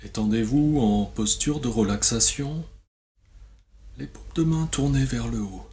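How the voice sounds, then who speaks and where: A man guides a relaxation meditation as a yoga nidra teacher, soothing and measured, with long pauses. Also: medium pitch, a little mellow, slight background noise.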